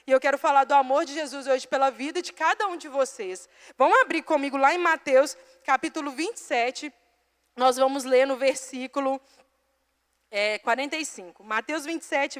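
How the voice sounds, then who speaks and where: A woman's voice: sits high, a bit bright. A young woman preaching in a church, telling a personal story in a chatty way and addressing listeners directly before reading scripture. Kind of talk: sermon with personal testimony. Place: church hall. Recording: long hall reverb.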